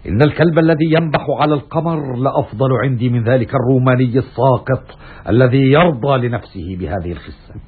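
قائد روماني صارم بصوت أجش. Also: male voice, mid-range voice, quick pace. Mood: stern reproach. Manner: declamatory, scornfully angry. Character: stern, righteous Roman commander, scornful and unbending. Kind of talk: classical Arabic radio theatre acting. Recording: muffled, raspy, phone-like old radio recording.

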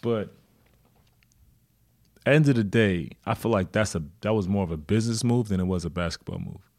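Man, 30s, low voice, casual sports podcast host, playful contrarian. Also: expressive, normal speed, a little mellow. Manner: playful, argues the other side.

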